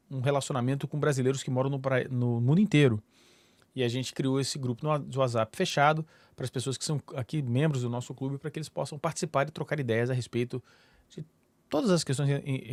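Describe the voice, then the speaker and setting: A man's voice: mid-range voice, no echo. Brazilian man hosting a casual video. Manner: rambling, many fillers and restarts. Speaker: YouTube channel host. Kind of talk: casual solo talk to camera.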